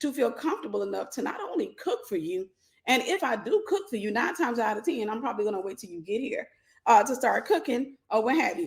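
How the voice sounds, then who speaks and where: A woman talks very fast with a Mississippi accent. Her high voice moves through very wide pitch swings. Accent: Southern US (Mississippi). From Mississippi, US South. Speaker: live-stream guest. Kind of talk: casual chat.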